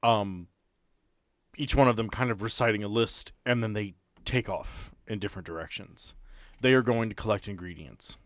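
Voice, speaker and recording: A man acting as game master, narrating a tabletop role-playing story deliberately, in short dramatic phrases. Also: on the low side, no room sound.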